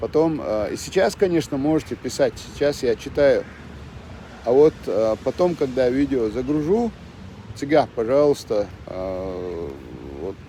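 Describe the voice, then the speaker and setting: Very slow, lively intoned speech amid noticeable background noise. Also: man. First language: Chechen (speaking Russian). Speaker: video blogger. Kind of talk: live stream chat with viewers. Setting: outdoors.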